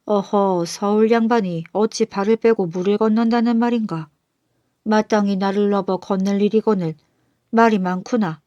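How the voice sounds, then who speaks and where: A woman's voice: medium pitch, normal speed, warm tone, no echo, dull audio, close to an everyday voice. A woman voicing a proud male nobleman in a storybook folktale, haughty and scolding. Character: arrogant male Seoul nobleman, pompous then groveling.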